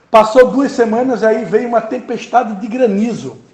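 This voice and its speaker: Audible room echo surrounds a man speaking at a moderate pace in a high pitch. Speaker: pastor. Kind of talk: sermon. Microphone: speaking without microphone.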